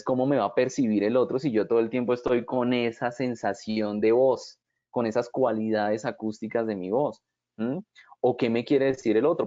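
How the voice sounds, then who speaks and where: A man's voice: mid-range voice, mellow. A man giving a didactic lecture as a communication trainer, often checking in with his audience through rhetorical questions. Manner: explanatory, checks in with frequent rhetorical "¿sí?" and "¿cierto?". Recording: dull, dry lo-fi recording.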